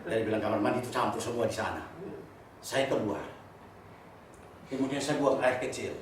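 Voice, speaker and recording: A man from eastern Indonesia preaching a sermon, telling personal stories with laughter and swinging from loud to hushed. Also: mid-range voice, moderate pace, noisy background. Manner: animated storyteller, laughing through anecdotes, swings from loud to hushed. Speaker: pastor. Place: church hall. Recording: very echoey hall, speaker far from mic.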